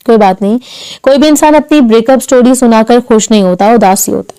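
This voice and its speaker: A woman voicing a caring young wife who talks softly but insists firmly. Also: on the high side, brisk, clean tone, lightly acted. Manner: soft, insistent.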